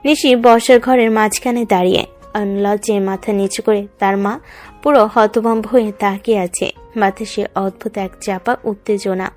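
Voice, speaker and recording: A woman narrates a romance story in a dramatic, descriptive style. Her voice sits at a middle pitch. Soft background music plays faintly. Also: steady tone, moderate pace.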